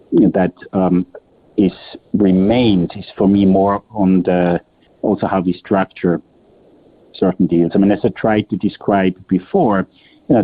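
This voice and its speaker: A man speaking as a company executive, giving halting, explanatory answers on an earnings call and often repeating words as he goes. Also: low voice, slightly rough. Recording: muffled, narrow-band phone conference line.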